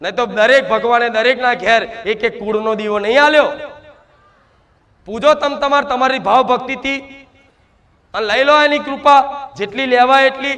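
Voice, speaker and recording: Man, very high voice, loud declamatory trance sermon, repetitive rhetorical questions. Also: normal speed, long pauses. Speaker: spirit medium speaking as a goddess.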